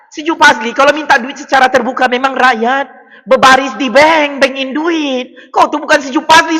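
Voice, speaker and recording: A man with a Sabah Malay accent, ranting and taunting as a livestream political commentator on his own mic, with loud exclamatory bursts. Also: extremely high pitch. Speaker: political commentator streaming to viewers. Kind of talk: mocking livestream rant. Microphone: personal microphone at a desk.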